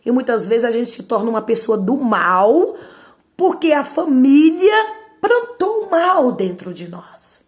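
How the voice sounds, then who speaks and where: A woman's voice: on the high side, big pitch swings, measured pace, darkish tone. A woman giving an emotional spoken testimony and speaking straight to her audience. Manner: emotional, repeatedly addresses the audience directly.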